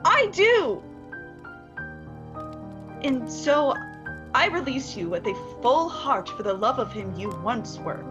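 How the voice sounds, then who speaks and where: A woman's voice: high voice, big pitch swings, slow pace, pauses often, full character voice. A woman playing an earnest, heartbroken young woman in a radio play, speaking formally and sorrowfully. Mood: wounded, resolute. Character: Belle, heartbroken young woman releasing her fiancé. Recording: dull lo-fi audio under music.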